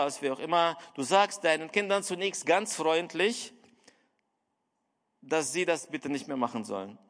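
A middle-aged man preaching a sermon, telling a story and speaking straight to the listener, with wide swings in loudness and pitch. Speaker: pastor. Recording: long hall reverb.

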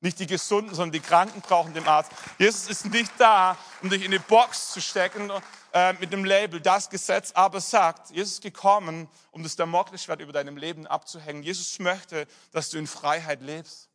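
A middle-aged male pastor preaching a sermon, telling personal stories and dropping to soft emphasis. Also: sits high, fairly even intonation, moderate pace, hardly any pauses.

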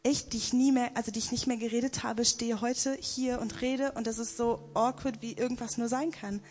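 A young woman giving an emphatic spoken-word devotional testimony. She slows right down for the lines she quotes. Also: on the high side, steady tone, a little mellow.

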